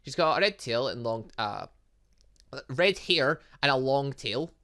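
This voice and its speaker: A man's voice: mid-range voice, expressive, unhurried, bright, forceful tone, pitched below the performer's own voice. A man voicing an awkward, earnest, bewildered young male student in a visual novel game, hesitant and flustered. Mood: explaining. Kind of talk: visual novel game dialogue read aloud.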